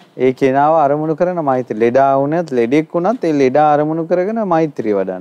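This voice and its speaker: A man speaks at a very slow pace. His fairly high voice has lively intonation. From Sri Lanka. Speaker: Buddhist monk; Buddhist monk teacher. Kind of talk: dharma discussion. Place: studio. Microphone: lapel.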